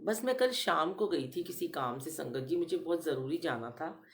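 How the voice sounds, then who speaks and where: A middle-aged woman giving a gentle devotional talk to her congregation, telling personal stories. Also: low voice, animated, moderate pace. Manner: gentle storytelling, addresses listeners as "sangat ji". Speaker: spiritual speaker addressing congregation.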